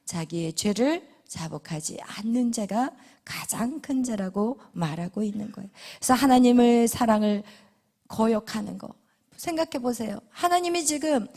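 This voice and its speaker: A woman pastor preaching a sermon. She asks the congregation questions and answers them in a hushed whisper, with sudden emphatic rises in between. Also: on the high side, lively intonation, moderate pace.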